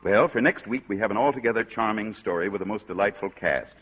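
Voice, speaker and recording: Polished 1940s radio host, husky voice. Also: male voice, on the low side, fast talker. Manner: genial, polished announcer delivery. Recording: dull lo-fi 1940s radio broadcast.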